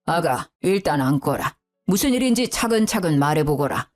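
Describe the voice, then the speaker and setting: A woman voicing an elderly father-in-law who speaks low and gently when soothing and bellows when scolding. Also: sing-song, moderate pace, soft background music. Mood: gentle pleading. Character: stern elderly father-in-law, calm then furious.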